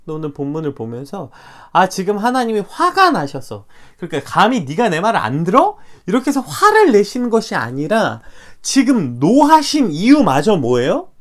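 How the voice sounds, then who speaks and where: A man preaching a morning devotional sermon, animated and full of rhetorical questions. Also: sits high. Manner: animated, acts out quoted dialogue, rhetorical questions. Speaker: pastor.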